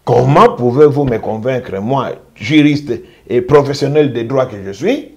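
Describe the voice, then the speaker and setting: A man speaking as a jurist gives an interview. His voice sits at an ordinary middle pitch. He builds a deliberate, emphatic argument, stressing each point and repeating it. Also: a little mellow. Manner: emphatic, measured legal argument with deliberate repetition. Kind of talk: interview commentary.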